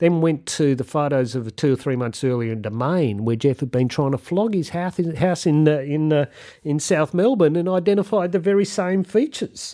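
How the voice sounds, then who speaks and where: A man with a dark, mellow tone and a fairly high pitch talks at a fairly quick pace with lively intonation and hardly any pauses, on a very clean recording with a silent background. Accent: Australian. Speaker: podcast host, PR consultant and former journalist. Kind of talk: casual chat. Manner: halting, many repetitions.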